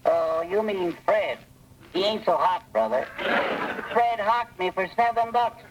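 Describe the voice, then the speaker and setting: A man's voice: high-pitched, expressive, slow, lo-fi sound, noisy background. A man voicing a cocky, slangy boy ventriloquist's dummy in radio comedy, on an old worn recording. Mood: cheeky. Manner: slangy, cheeky. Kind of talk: 1940s radio comedy acting.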